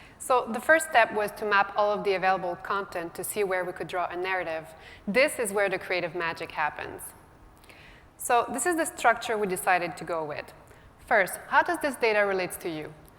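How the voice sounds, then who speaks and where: A fairly quick delivery in a French-Canadian accent. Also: woman, medium pitch for a woman. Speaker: designer. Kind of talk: conference talk. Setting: stage with audience.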